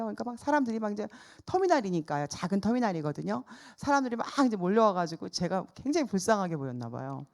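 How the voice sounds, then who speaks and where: A middle-aged woman evangelist preaching a sermon through a personal story, told in a lively way with the voices of the people in it acted out. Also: medium pitch. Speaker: evangelist preaching at a church service.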